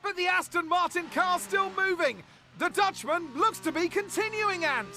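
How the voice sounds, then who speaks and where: High-pitched excited race commentator. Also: male voice, faint music behind. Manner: excited, fast play-by-play, shouts at action.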